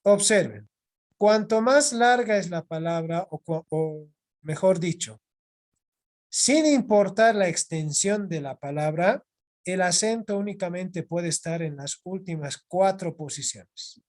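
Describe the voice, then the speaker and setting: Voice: medium pitch, animated, measured pace, darkish tone. Patient teacher, online class. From Bolivia. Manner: patient, repeats points, checks in with "¿ya?". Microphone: video call microphone.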